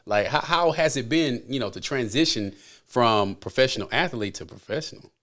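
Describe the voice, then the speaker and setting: Male podcast host, mid-pitched, animated delivery, casual and chatty. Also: moderate pace. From American South. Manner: animated, repeats phrases, loose and conversational. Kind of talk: casual interview chat.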